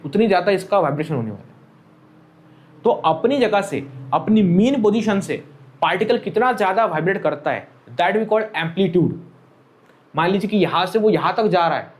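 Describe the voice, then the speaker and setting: A man's voice, pitched high and slightly mellow, delivers a classroom physics lecture. Speaking Hindi with English terms mixed in, he goes back over key phrases and keeps making sure the students are keeping up.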